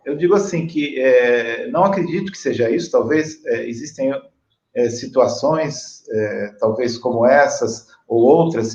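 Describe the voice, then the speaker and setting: A man with a Brazilian accent hosting a conversational interview in a deliberate, hesitant, rambling way. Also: mid-range voice, darkish tone. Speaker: interview host. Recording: echoey room, dull lo-fi audio.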